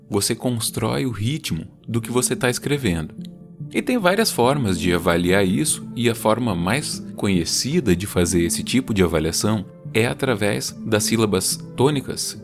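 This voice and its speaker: Man, low voice, podcast host, casual teaching talk, slows down to tap out the rhythm of his examples. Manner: teaching, speaks examples out slowly to stress the beat. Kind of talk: casual explanatory talk about poetry.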